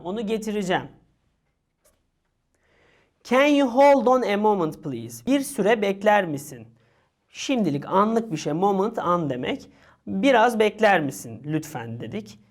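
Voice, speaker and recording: A woman teaching an English lesson for exam prep, reading each English phrase slowly and then explaining it. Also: medium pitch, darkish tone. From Turkey.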